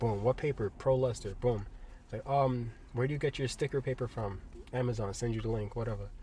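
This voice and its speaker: A man at a medium pitch, somewhat breathy, dark and mellow in tone, at a fairly quick pace. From New York, Brooklyn. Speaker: artist and illustrator. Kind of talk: casual podcast interview. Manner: animated.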